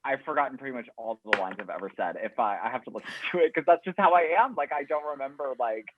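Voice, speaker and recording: A woman's voice: rumbling low, animated, quick pace, narrow, tinny audio, background noise. A woman talking casually as a contestant in a group quiz game. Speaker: podcast cast member, quiz contestant.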